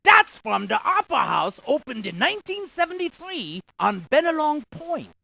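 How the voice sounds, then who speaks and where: A man voicing an excitable, quirky scientist in a video game, with a creaky voice and a folksy, jokey, exaggerated delivery. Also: extremely high pitch, normal speed, no echo, full character voice. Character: excitable, quirky scientist tour guide, full of folksy quips. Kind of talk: cartoonish video game character lines.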